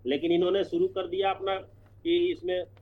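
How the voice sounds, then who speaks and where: A man's voice: sits high, little pitch movement, a little fast. A man on a remote line, insistently defending his side in a debate. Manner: insistent, talks over the host. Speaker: political panel guest. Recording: thin phone-like remote line.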